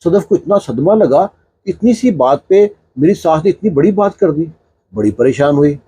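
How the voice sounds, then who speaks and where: Husky-voiced man telling a story. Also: a little high, animated, warm tone, no room sound. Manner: conversational, filler-laden narrating. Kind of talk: casual spoken storytelling.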